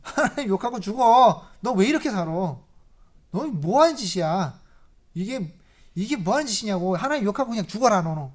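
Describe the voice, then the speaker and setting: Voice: medium pitch, expressive, normal speed, close to an everyday voice. A preacher voicing a scolding exasperated wife. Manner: scolding, harsh.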